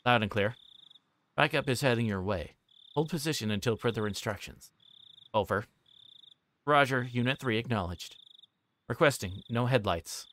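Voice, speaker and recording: A man's voice: mid-range voice, fairly bright tone, lightly acted. A man voicing terse, businesslike police officers on a radio dispatch in a visual novel, with clipped procedural delivery. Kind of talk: visual novel read-aloud.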